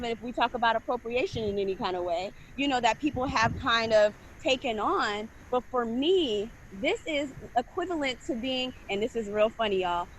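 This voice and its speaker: High-voiced woman, animated and laughing. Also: slight background noise, poor audio. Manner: animated, laughing, addresses listeners as y'all. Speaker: panelist, scholar and street dancer. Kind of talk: casual panel discussion.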